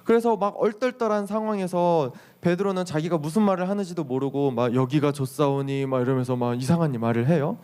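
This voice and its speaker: A young man, a youth pastor, preaching to teenagers in a lively storytelling way, asking the listeners questions and acting out what people say. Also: fairly high pitch, quick pace, few pauses, clean tone. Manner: lively storytelling, acts out quotes with exclamations; addresses the listeners directly with questions. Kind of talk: sermon to teenagers.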